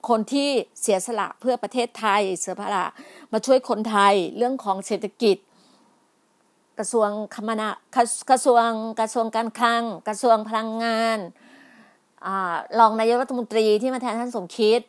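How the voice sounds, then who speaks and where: A woman's voice: fairly high pitch, fairly even intonation, moderate pace. A middle-aged woman speaking in a heated political monologue, scolding and pleading by turns, with many restarts and repetitions. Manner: emphatic, scolding, repeats herself with many restarts; polite particles, pleading then indignant.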